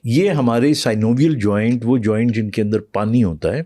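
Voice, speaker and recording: A man speaking as a doctor on a podcast, patiently walking through his answers with pauses and fillers. His voice is mellow and warm. The recording is dry and close. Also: mid-range voice, dry recording. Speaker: internal medicine doctor, podcast guest. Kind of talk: explanatory interview talk, mixing in English.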